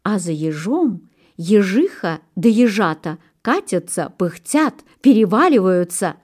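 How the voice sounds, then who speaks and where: A woman reads folk tales aloud in an unhurried, deliberate rhythm. Her voice is mellow and warm, never sharp. Her delivery is measured and expressive, steady from line to line. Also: medium pitch. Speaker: narrator. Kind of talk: storybook reading.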